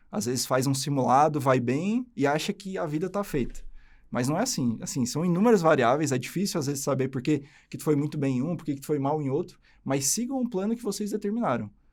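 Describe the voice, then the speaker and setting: On a very clean recording with a silent background, a man talks at a fairly quick pace and fairly high pitch, his pitch swinging very widely. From southern Santa Catarina, Brazil (Criciúma). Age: 20s. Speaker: medical resident. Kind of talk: podcast interview. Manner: halting, with fillers.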